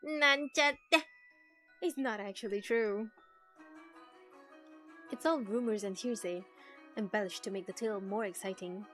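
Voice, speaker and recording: A woman streamer reading a visual novel aloud and reacting in an animated, teasing way, swearing freely. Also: medium pitch, measured pace, long pauses. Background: music.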